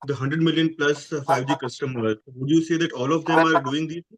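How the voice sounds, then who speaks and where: A man's voice: a little high, steady tone, fairly quick, no room sound. A man asking questions as an analyst on a conference call, somewhat hesitantly.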